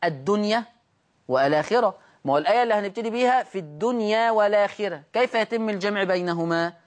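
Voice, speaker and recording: A man teaching Quran recitation rules on a TV program. He asks rhetorical questions, answers them, and chants the example words slowly. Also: high-pitched. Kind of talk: televised recitation lesson.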